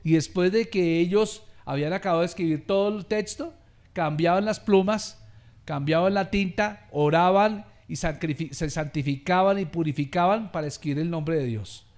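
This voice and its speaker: A man's voice: high-pitched, normal speed, a little mellow. A man preaching a sermon, calling on listeners to repeat words after him and addressing them as beloved brother. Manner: preaching with rising volume and call-and-response. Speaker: pastor.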